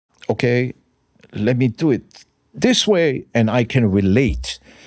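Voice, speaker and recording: A man with an Israeli accent speaks with very wide pitch swings. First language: Hebrew. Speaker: session drummer. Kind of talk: interview.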